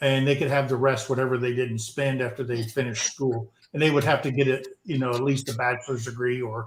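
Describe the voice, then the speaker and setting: A man of medium pitch, somewhat breathy, with fairly even intonation at a fairly quick pace. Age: 60s. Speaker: homesteader. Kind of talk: casual chat.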